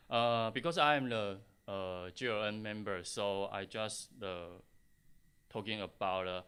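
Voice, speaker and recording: Slow, halting Taiwanese-accented man presenting. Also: fairly low pitch, sharp tone, smooth. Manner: halting, hesitant delivery in non-native English with frequent pauses. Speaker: conference speaker, software test engineer. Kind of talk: conference tech presentation.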